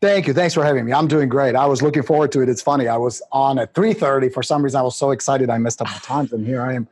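A middle-aged man with a Czech accent talks as a podcast guest in a husky voice. He is lively and self-mocking and laughs easily. The sound is dry and close. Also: medium pitch, quick pace, no echo. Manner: energetic, laughs often, self-mocking jokes. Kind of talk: casual interview chat.

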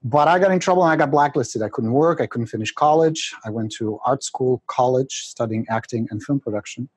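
A man's voice: mid-range voice, fairly quick, breathy edge, no room sound. A middle-aged man with a Czech accent, a podcast guest who chats energetically, jokes about himself and laughs often. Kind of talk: casual interview chat.

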